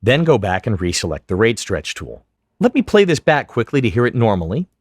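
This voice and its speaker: A man giving scripted, methodical step-by-step instruction as a software tutorial narrator. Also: lowish voice, sing-song, brisk, no echo, studio quality. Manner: clear, methodical, step-by-step explanation. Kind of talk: scripted instructional narration over screen demo.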